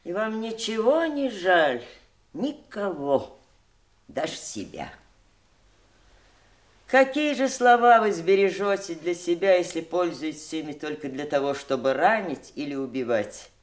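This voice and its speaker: An actress playing a worldly, twice-widowed middle-aged woman in a theatrical Russian audio drama, speaking with emphatic, deliberate eloquence. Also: on the low side, animated. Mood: impassioned reproach.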